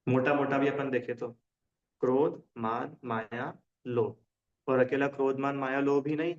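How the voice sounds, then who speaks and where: A man's voice: medium pitch, steady tone, measured pace. A man teaching a religion class in casual Hindi. He often checks whether his students understand and explains with everyday examples. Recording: dull lo-fi sound.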